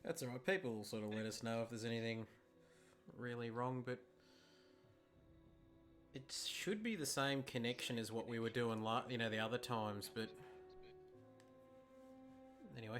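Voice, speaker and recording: A man hosting a live stream, loud and chatty, swearing freely. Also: a little fast, soft background music. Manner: loud, swears, booming greetings. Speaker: stream host. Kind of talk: casual live stream banter.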